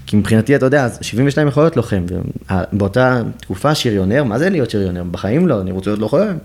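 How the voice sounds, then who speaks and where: A young man, a project founder, telling a personal story in an interview, acting out the dialogue and going quiet and emotional at the hard parts. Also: mid-range voice. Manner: animated storyteller who acts out quoted dialogue, dropping to a hushed, emotional tone.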